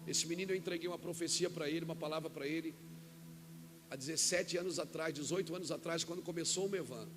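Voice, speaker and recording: A Brazilian man preaching a sermon as a pastor, telling a personal story with quoted dialogue and rising to shouts at the peaks. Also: on the high side, fast talker, music in the background. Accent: Brazilian Portuguese. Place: church event hall.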